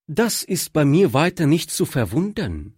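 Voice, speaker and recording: A man's voice: fairly high pitch, very animated, measured pace, breathy edge, no room sound, studio quality, voice pushed up, heavily acted. A man voicing a kindly male Alsatian pastor who grows firm and stirred when his homeland comes up. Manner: gently spoken, turning firm and stirred.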